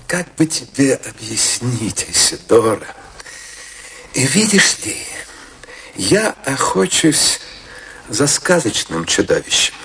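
A man's voice: medium pitch, big pitch swings, takes it slowly, gravelly, long pauses, fairly bright tone, slight background noise, full character voice. An actor playing a fervent, idealistic male artist in a radio play, theatrical and declamatory, savouring his words. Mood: playful, mysterious. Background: music behind the voice.

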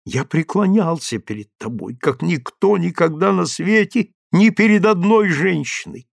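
A man's voice: high-pitched, animated, measured pace, gravelly, dry recording, clean studio sound, voice pushed up, full character voice. A man voicing a desperate, tearful husband who pleads with his wife in a rising, imploring voice. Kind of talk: audiobook character reading.

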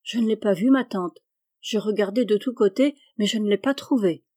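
A woman reading aloud, voicing a kind, patient young boy who coaxes and reasons gently. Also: medium pitch, moderate pace, close to an everyday voice. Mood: earnest. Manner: coaxing, earnest pleading. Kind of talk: audiobook reading.

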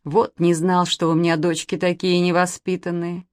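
A woman voicing a mild, polite father who speaks gently and slowly, with a mildly reproachful tone. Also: fairly low pitch, level tone, no room sound, clean studio sound, close to an everyday voice.

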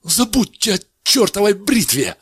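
A frightened man in a storybook, pleading and protesting in a voice pushed well above normal, as a male narrator puts him on. His tone is husky and swings widely, close and dry on the mic. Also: fairly high pitch, lively intonation, moderate pace, fairly bright tone, dry recording, voice pushed up. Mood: panicked. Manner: anxious, insistent, rising to cries.

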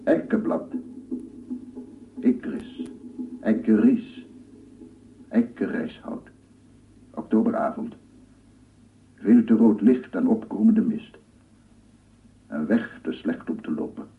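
An actor playing a dreamy, secretive, gentle man in a radio drama, musing in hesitant fragments. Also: lowish voice, lively intonation, slow pace, pauses often, a little hiss or hum. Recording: distant, phone-like archive radio recording.

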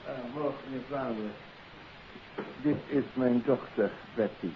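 A male actor plays a courteous doctor, a worried father who coaxes gently. His mid-pitched male voice has vintage radio delivery. The recording is dull, with faint hiss. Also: moderate pace, natural voice. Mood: polite, coaxing. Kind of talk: 1950s Dutch radio drama acting. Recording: hissy, muffled old radio recording.

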